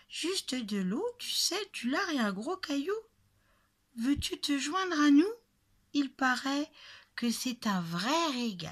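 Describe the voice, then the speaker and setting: A put-on character voice with very wide pitch swings, a fairly slow pace and long, frequent pauses, on a very clean recording against a silent background. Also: woman, high pitch for a woman. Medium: read story.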